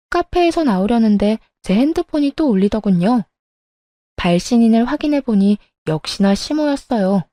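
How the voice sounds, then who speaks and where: A woman's voice: fairly high pitch, dark tone, no room sound. A woman narrating a first-person story in a matter-of-fact, sardonic manner into a close mic.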